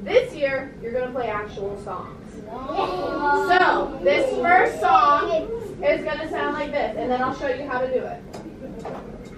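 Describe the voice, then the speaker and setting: A woman's voice: sits high, animated, takes it slowly, long pauses, distant mic, background noise. A young woman teaching a music class to small children, firm and upbeat, praising and counting off steps. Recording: echoey classroom from afar with loud ukulele music.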